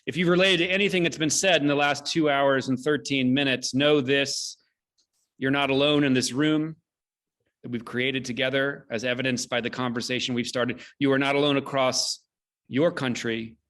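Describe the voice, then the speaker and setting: Solemn man hosting, medium-pitched voice. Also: steady tone, a bit bright. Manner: measured, solemn, rhetorical repetition. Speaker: host, theater company director. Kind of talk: closing remarks at an online event. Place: indoors, online video call.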